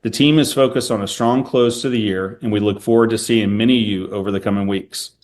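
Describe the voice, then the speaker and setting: A man speaking as a company executive on an earnings call in a measured, businesslike way. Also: fairly low pitch, steady tone, darkish tone. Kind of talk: prepared corporate remarks and answers to analysts.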